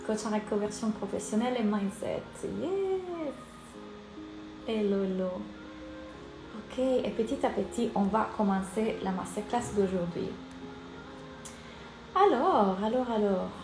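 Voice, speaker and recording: A woman's voice: mid-range voice, animated, a little slow, pauses often, over music. A woman from Italy with an Italian accent, a life and business coach speaking energetically and directly to viewers in a live-streamed masterclass. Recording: echoey room with background noise.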